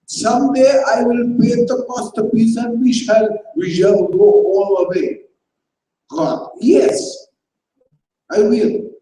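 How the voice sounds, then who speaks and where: A man voicing a fierce little old painter who shouts gruff contempt, in an echoey hall heard from far off. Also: extremely high pitch, steady tone, takes it slowly, pitched above the performer's own voice. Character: fierce little old male painter, gin-soaked, scoffing. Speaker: actor in a staged reading.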